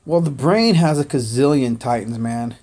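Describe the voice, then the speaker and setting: A man born in Korea, whose first language was Korean, chats through a livestream of a strategy game. His voice sits at an ordinary mid pitch, and he rambles easily, thanking viewers by name between "uh"s and "man"s. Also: moderate pace, dark tone, husky. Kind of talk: casual gaming livestream chat.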